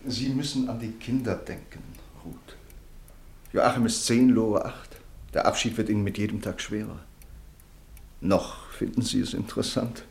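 An actor playing a sober, solicitous doctor and family friend in a radio drama, measured and gently admonishing. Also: male voice, on the low side, fairly even intonation, gravelly. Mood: grave, cautioning. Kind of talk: mid-century German radio drama acting.

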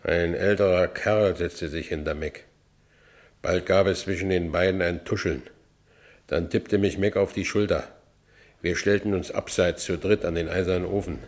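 A burly Berlin labourer just out of prison, low in voice. He recounts his days in short, colloquial, punchy phrases with a stubborn cheer, as in a classic radio play. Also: steady tone, normal speed. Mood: plain recounting. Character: Franz, burly Berlin working man, ex-convict, plain-spoken, stubbornly cheerful. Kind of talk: radio play first-person narration.

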